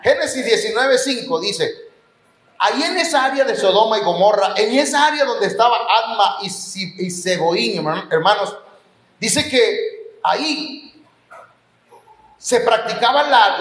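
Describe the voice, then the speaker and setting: A man's voice: sits high, a bit bright. A man with a Mexican Spanish accent preaching a sermon in a church, with rising emphasis and the odd joke. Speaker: pastor. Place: church hall. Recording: echoey church hall.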